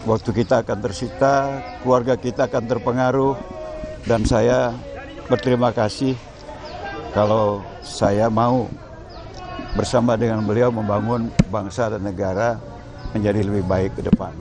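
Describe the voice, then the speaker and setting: A man giving a formal statement to the press, speaking in a measured, deliberate way with frequent pauses and fillers. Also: on the low side, fairly even intonation. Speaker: political appointee speaking to press.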